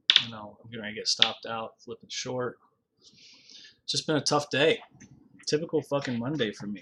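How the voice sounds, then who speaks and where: This man speaks in a bright, sharp tone with ordinary pitch variation. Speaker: futures trader streaming live trades. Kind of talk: live trading commentary. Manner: quiet.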